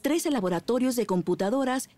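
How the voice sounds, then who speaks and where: Mellow-voiced woman reading news narration. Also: fairly high pitch, animated, brisk.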